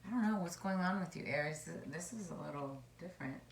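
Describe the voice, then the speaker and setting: A woman with a hoarse voice giving a casual tarot card reading, chatty and meandering as she muses aloud. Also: lowish voice, expressive, fast, slight background noise. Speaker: tarot reader. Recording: echoey room.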